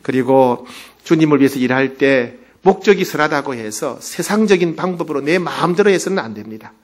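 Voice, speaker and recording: A man's voice: a little high, animated, a little fast. A male pastor preaching a sermon, telling the story vividly and acting out its people.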